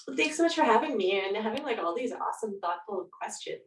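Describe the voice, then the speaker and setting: A woman's voice: on the high side, animated, fast. Roomy, distant-sounding Canadian woman, reflective. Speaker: podcast guest, nonfiction author. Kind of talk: casual interview conversation. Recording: roomy echo, distant from microphone.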